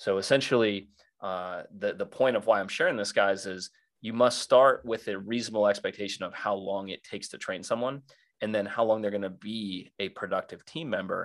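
Against a quiet background, a man with a normal speaking voice talks at a fairly quick pace with an American accent and a fairly low pitch. His intonation is fairly even, while his loudness swings a lot. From South Florida. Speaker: gym owner and podcast host. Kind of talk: solo-style business podcast talk with a guest. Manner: conversational, informal, with filler words.

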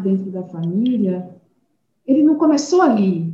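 The voice is somewhat breathy and dark, mellow in tone, moving at a moderate pace. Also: woman. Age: 50s. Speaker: family constellation therapist. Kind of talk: casual interview chat.

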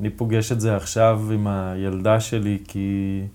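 In a plain, everyday voice, a man speaks fairly slowly at a fairly low pitch with fairly even intonation. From Israel, Druze community. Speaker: podcast host. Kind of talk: casual interview.

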